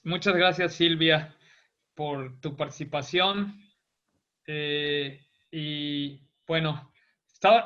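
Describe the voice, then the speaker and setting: Mexican guy moderating a zoom panel, polite, bit hesitant, bright tense voice. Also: a little high. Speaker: embassy cultural attaché, moderator. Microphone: video call. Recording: dull lo-fi video call audio.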